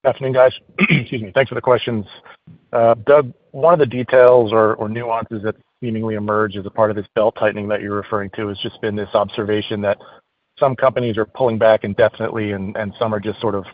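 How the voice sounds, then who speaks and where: A man's voice: fairly low pitch, fairly even intonation, quick pace, no echo. A man speaking as an analyst, putting a question in a conversational way on a call. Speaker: financial analyst. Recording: dry, narrow phone line.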